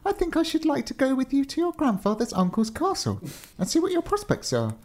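A man's voice: very high voice, wildly swooping pitch, brisk, darkish tone, pitched above the performer's own voice, exaggerated voice. A man voicing a small, earnest, inquisitive fairy in a storybook, politely plaintive.

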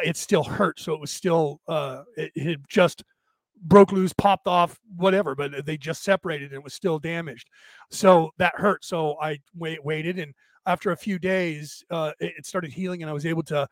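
A man with a raspy, tired, worn-out voice, talking casually and haltingly as he hosts a rambling livestream and answers listeners. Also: on the high side, a bit bright, dry recording. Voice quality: raspy, damaged-sounding voice from long-standing vocal cord trouble. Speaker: host of a spiritual talk livestream.

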